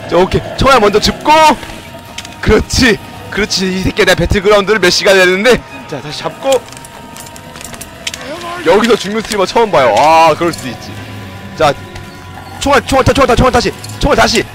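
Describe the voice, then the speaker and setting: A man streaming a video game live, commenting in an excitable, jokey way, often yelling and swearing. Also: high-pitched, brisk, long pauses, soft background music.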